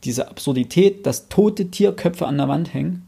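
A man with a dark, gravelly voice talks in relaxed podcast chat. He thinks aloud, restarts his sentences and gets keen when recommending things. He is close on a studio mic. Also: fairly high pitch, normal speed. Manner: enthusiastic recommender. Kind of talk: casual chat.

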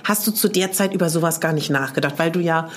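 A woman's voice: deep voice, fast. A woman interviewer asking long, empathetic leading questions in a conversational interview.

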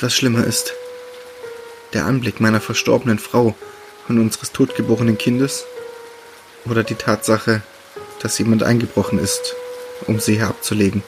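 A man reading short horror stories in a slow, hushed, deliberate voice with dramatic pauses. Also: fairly low pitch. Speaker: narrator. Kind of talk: scripted horror narration. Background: background music.

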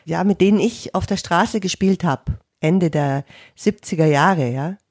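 A woman's voice: fairly low pitch, measured pace, a little mellow. A woman in her fifties in casual conversation as a podcast co-host, reflective and searching for words.

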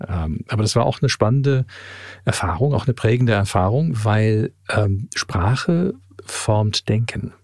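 A man in his forties, raised in Canada and speaking with a slight tinge, answers interview questions thoughtfully, with pauses and fillers. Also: fairly low pitch, expressive, a little mellow, no room sound, clean studio sound. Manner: thoughtful, hesitant, many fillers. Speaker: podcast guest.

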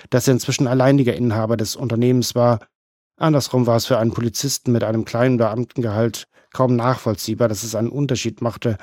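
A man reads a crime novel aloud in a measured, even way. His pitch sits in the middle range for a man. The sound is close and dry, with no room around it. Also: no room sound. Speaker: audiobook narrator. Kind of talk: scripted crime-novel narration.

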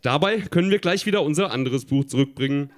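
A man doing a calm, helpful young boy. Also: a little high, fast, a little hiss or hum, natural voice. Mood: eager.

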